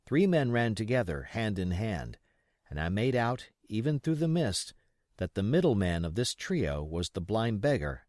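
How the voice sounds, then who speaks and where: A man's voice: lowish voice, very animated, moderate pace, a little mellow, no echo, clean studio sound. A man reading an adventure novel as an audiobook narrator, in scripted storytelling style.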